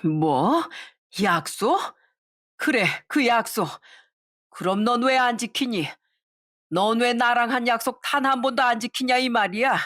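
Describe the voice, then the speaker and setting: A woman's voice: a little high, moderate pace, fairly bright tone, no echo, clean studio sound, pitched above the performer's own voice, close to an everyday voice. A woman voicing an indignant older mother who scolds and sighs as she speaks. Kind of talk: storytelling voice acting.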